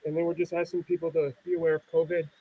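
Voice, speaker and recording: A man from Minnesota making a casual, halting announcement as an event organiser. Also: on the high side, flat delivery, a little hiss or hum. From Minnesota, United States. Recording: thin phone-like sound.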